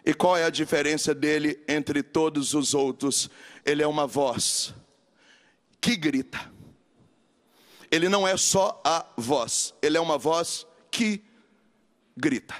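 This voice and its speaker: Brazilian male preacher, high-pitched, emphatic call-and-response sermon delivery. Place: live camp gathering.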